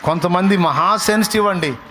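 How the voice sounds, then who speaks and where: A male pastor delivers a lively sermon, firing off rhetorical questions and bursts of praise. His voice sits somewhat high for a man. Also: brisk, slight background noise.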